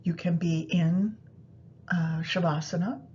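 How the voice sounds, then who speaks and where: A woman guiding a meditation practice in a soothing, unhurried manner, pausing between phrases. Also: fairly even intonation, a little mellow. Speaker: yoga nidra meditation guide. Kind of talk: guided meditation instruction. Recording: muffled, low rumbling background noise.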